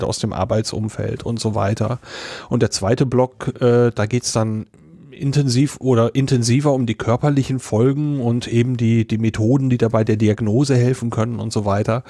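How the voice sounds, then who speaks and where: A man's voice: mid-range voice, a little mellow, no room sound, clean studio sound. A man co-hosting a podcast, explaining a recommendation in loose, unscripted talk. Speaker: podcast co-host.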